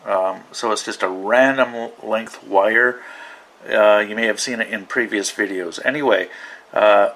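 Male hobby vlogger, casual and unhurried, loosely thinking aloud, slow delivery. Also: fairly low pitch, fairly bright tone. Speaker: radio hobbyist demonstrating receivers. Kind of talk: casual vlog demonstration. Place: small indoor radio desk.

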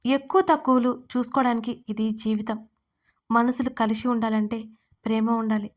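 This is a firm young wife in an audio drama story, blunt and cold with a sarcastic edge, as a woman narrator reads her. Her voice is fairly high and steady. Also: normal speed, close to an everyday voice. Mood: scornful.

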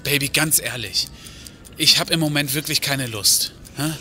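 An actor playing a weary, uneasy boyfriend in a radio play, speaking in a colloquial, exasperated way. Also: male voice, mid-range voice, normal speed, bright, forceful tone, faint music behind. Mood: reluctant, weary. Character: weary, uneasy boyfriend rebuffing his lover.

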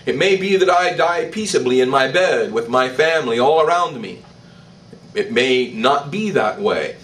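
An older man, a priest, preaching a sermon in church, slow and emphatic, with declarations that rise in pitch. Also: fairly bright tone, recorded from a distance, poor audio. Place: church, indoors. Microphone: stand mic in front.

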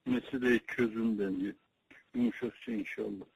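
A man taking a private call over a landline phone, answering in soft, brief, approving replies as a respected teacher. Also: on the low side, steady tone, moderate pace, gravelly, breathy edge, no room sound. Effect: heard over a landline phone line.

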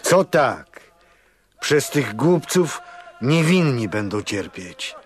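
An actor in a radio play playing an elderly Catholic priest, gruff and impatient yet protective, speaking in a brusque, insistent, weary manner. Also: male voice, medium pitch, sing-song, slow pace. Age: older. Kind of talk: radio drama acting.

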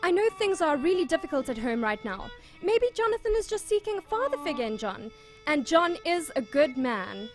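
A woman's voice: high-pitched, very animated, moderate pace, soft background music. A woman playing a pious, motherly nun in an audio drama, soothing and hesitant, protective of her church. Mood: disbelieving.

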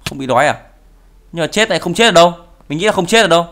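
A man's voice: a little high, lively intonation, rapid-fire, fairly bright tone. A young man giving playful Minecraft commentary, breaking into mock-dramatic wailing and pleading. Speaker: gaming YouTuber. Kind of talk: Minecraft let's play commentary.

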